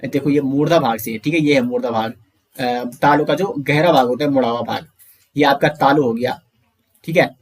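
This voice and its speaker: A man with an Uttarakhand Hindi accent teaching Hindi grammar in an online exam-prep lesson, explaining step by step and sounding out letters slowly to show how they are said. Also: medium pitch, husky. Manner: explains step by step, often says "दोस्तों" and "ठीक है".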